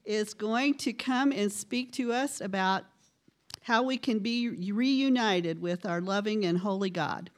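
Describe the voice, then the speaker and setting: Slow-talking woman introducing a speaker. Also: mid-range voice. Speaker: church group leader introducing a speaker. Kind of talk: brief introduction.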